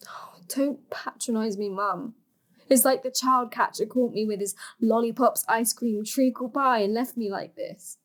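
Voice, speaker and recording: A young woman with a high voice in a stage drama. She is a cheeky, yearning daughter who speaks bluntly and pleads with real earnestness. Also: fairly even intonation, unhurried. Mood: upset, pleading. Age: young adult.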